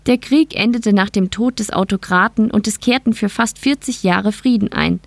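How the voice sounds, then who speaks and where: A woman reading a novel aloud in steady, scripted narration. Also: medium pitch, moderate pace, gravelly, no room sound. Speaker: audiobook narrator.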